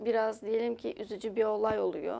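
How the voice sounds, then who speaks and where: The voice has a dark, mellow tone. It moves at a fairly slow pace with monotone, flat intonation. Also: woman. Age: 20s. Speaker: permanent makeup artist; guest. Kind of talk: interview. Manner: halting, many fillers. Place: studio.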